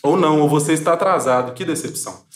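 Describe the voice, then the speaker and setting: A man's voice: fairly high pitch, quick pace, echoey room. A Brazilian man hosting a podcast in a casual, playful, tongue-in-cheek way. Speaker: podcast host. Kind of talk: casual, joking podcast chat.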